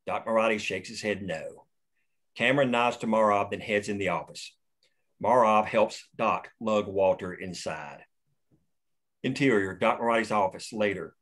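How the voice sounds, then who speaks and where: A man reading the stage directions aloud at a script table read in a steady, plain way. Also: on the low side.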